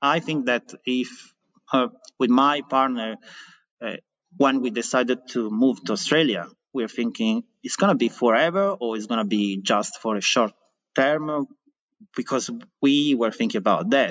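Man with an Italian accent, medium pitch and lively intonation, at a moderate pace with long, frequent pauses, in a dry, close sound with no echo and a quiet background. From Italy, Milan. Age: 40s. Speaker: illustrator. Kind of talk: radio interview. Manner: halting.

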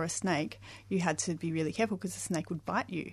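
Against a quiet background, a woman with an Australian accent talks at a fairly quick pace in a fairly low pitch, keeping her intonation fairly even. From Australia, rural Victoria (Mildura). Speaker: doctor and climate campaigner. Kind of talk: interview. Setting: radio studio. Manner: hesitant, many fillers.

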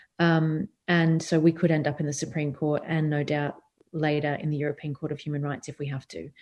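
Against a quiet background, a woman with an Australian accent speaks in a very deep, low pitch with monotone, flat intonation. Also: fairly quick pace. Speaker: human rights lawyer. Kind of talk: webinar talk.

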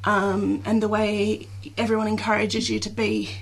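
Noticeable background noise accompanies a woman speaking with an Australian accent. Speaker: choir musical director. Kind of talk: casual radio interview.

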